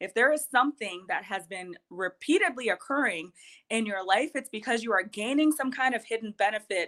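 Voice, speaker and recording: Bright, sharp-toned woman in an American accent, fairly quick pace, dry and close sound with no echo. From US Virgin Islands. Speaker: business consultant. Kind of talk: interview.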